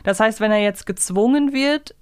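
A woman's voice: fairly high pitch, moderate pace, a little mellow, clear, resonant tone, no room sound, studio quality. A woman co-hosting a casual fan discussion, reflectively explaining her opinions step by step. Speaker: podcast co-host.

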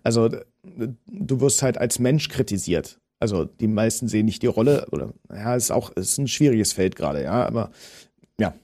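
A man's voice: lowish voice, expressive, normal speed, mellow. A man in his thirties, an actor with a Berlin accent, chatting in an interview with many fillers and restarts. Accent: Berlin dialect. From Potsdam, Germany. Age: 30s. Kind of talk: interview conversation.

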